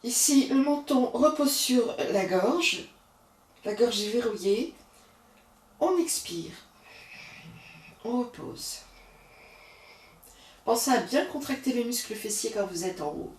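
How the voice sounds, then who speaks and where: A woman yoga teacher giving slow, calm guided cues through a breathing and posture practice. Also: on the high side, reverberant, far from the mic.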